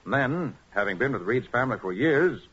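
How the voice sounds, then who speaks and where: Methodical master detective, American man, assured, expressive pitch swings, 1940s radio serial, muffled old recording. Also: fairly quick, husky. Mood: assured, explanatory. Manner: explanatory, assured, precise. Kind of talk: 1940s radio drama acting.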